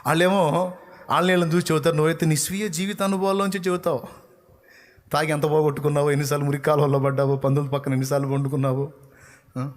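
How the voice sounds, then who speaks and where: A male pastor preaching a sermon emphatically, swinging between loud rebukes and low, earnest tones. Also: fairly even intonation, fast.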